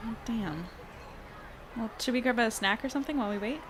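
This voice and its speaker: An actress plays a friendly young woman in an audio drama, talkative and a little wry. Her voice is fairly high and natural, over faint background ambience. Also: brisk, background noise, natural voice. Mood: wry, playful.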